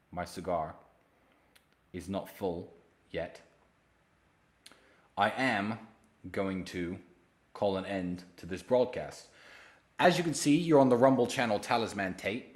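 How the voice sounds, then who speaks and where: A man hosting a casual solo livestream, answering viewer questions directly and pitching emphatically. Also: expressive, measured pace, long pauses. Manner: direct, addresses viewers by name.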